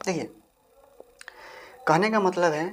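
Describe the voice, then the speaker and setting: A woman with a deep, low-set voice teaches a grammar lesson. She repeats each point and keeps asking the viewer questions as she goes. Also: takes it slowly, a little hiss or hum. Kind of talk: classroom-style grammar lesson.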